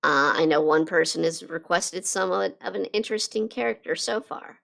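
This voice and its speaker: A woman chatting casually on a live drawing stream, her voice slightly hoarse from being sick, rambling with lots of fillers and restarts. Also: on the low side, normal speed, fairly bright tone. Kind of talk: casual chat while drawing.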